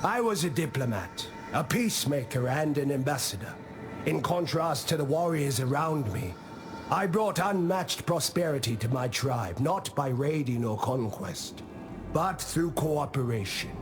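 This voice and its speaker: Slow-spoken, wise old tribal elder. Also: male voice, a little high, lively intonation. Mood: proud, wry. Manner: measured, solemn, philosophical storytelling. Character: wise old tribal diplomat, calm, patient, gently stern. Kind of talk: scripted video game character monologue. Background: music.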